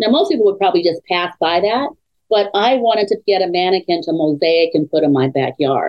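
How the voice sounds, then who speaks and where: Speaking at a fairly quick pace, a woman uses a medium pitch and lively intonation while keeping her loudness very even. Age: 60s. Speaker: small business owner. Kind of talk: interview.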